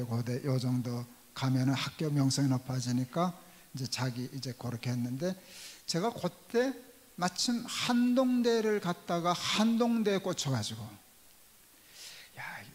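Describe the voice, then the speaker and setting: Older male pastor, somewhat high voice, storytelling sermon, long church reverb. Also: creaky, darkish tone. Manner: storytelling, acting out quoted dialogue. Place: church sanctuary.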